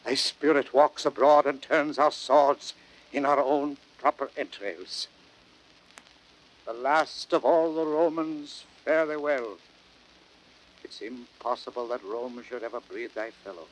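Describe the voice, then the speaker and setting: Man acting a slow, solemn noble Roman. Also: mid-range voice, natural voice, poor audio. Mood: grieving. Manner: solemn, declamatory. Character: noble, grieving Roman commander resolved to die. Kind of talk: 1930s radio Shakespeare acting. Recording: hissy old radio broadcast recording.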